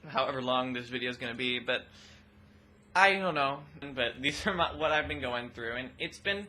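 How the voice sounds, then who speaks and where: A young trans woman with a rather deep voice, talking expressively and loudly in a casual personal vlog. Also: moderate pace. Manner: expressive, loud, laughs often. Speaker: vlogger.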